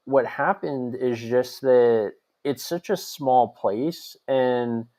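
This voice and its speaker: A man's voice: mid-range voice, slow pace, mellow. A young man from Hawaii, a podcast guest talking casually with lots of fillers and restarts. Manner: chatty, many fillers and restarts. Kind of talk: casual interview conversation.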